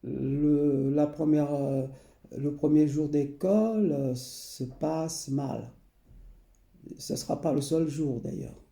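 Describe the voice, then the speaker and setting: A man, recalling his past slowly and hesitantly, often pausing and repeating himself. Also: a little high, vocal fry, warm tone, reverberant. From Portugal. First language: Portuguese. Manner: hesitant, many pauses and repeated phrases. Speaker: memoir narrator. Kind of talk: slow personal recollection.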